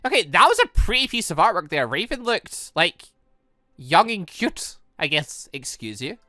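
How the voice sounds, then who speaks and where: Gaming host, casual playthrough commentary, very lively pitch, excitable and rambling, close dry sound. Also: moderate pace, dry recording. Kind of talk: casual game playthrough commentary, reading dialogue aloud.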